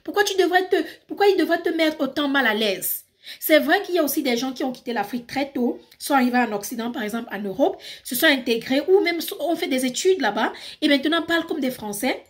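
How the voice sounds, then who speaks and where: A woman's voice: sits high, expressive, fast. A woman with a Cameroonian accent, ranting passionately in a casual vlog and switching between French and English. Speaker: YouTuber. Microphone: phone.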